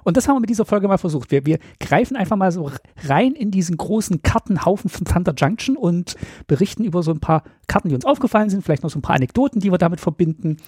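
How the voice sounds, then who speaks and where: Male podcast co-host: upbeat explainer, slightly high and husky voice. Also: lively intonation, fast, hardly any pauses, darkish tone, no room sound, clean studio sound. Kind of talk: casual podcast chat.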